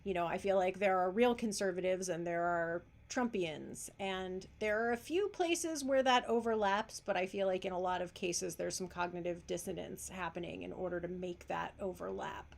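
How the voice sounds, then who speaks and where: A woman hosting a casual live video hangout, talking in a chatty, wry way with lively storytelling. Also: fairly low pitch, moderate pace, gravelly, few pauses. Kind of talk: casual livestream chat.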